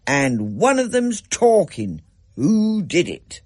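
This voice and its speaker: Man doing a stern dad, husky, firm and set in his ways, dry sound. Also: high voice, huge pitch swings, slow, a little mellow, dry recording, pitched above the performer's own voice, heavily acted. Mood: angry. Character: stern opinionated father, firm and gruff.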